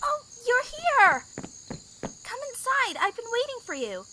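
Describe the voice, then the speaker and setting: A woman playing an eager, naive young student, perky, chatty and excitable, in an audio drama. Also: very high voice, unhurried, a little hiss or hum, full character voice. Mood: excited, eager.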